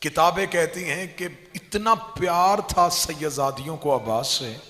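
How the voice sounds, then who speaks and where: A man giving an emotional devotional sermon. He moves from quiet narration to loud, wailing cries and acts out tearful dialogue. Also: fairly high pitch, a little slow. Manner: acts out dialogue of holy figures in tears. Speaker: Shia majlis orator. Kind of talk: emotional devotional sermon, half-sung recitation. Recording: long hall reverb.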